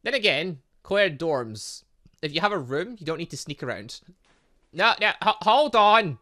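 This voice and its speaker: Animated, bright-voiced man doing game commentary. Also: a little high, normal speed. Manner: rambling, playful, exclamatory asides. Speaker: gaming channel host. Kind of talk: excitable let's-play commentary, reading dialogue aloud.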